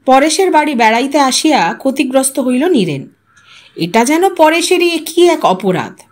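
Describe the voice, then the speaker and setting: A woman storyteller narrates literary fiction. Her voice is high and swings widely in pitch, giving the prose an expressive, dramatic shape. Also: moderate pace.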